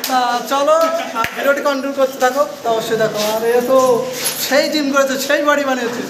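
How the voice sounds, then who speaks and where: A young man with a very high voice chats through a phone-held vlog inside a bare, echoing school gym. He rambles and repeats, urging viewers to keep watching, with a long reverb tail and clear background noise around him. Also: steady tone, quick pace. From India. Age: young adult. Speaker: vlogger. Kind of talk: casual vlog narration. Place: echoey school gym room, indoors. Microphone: phone camera held at arm's length. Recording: echoey room with noise.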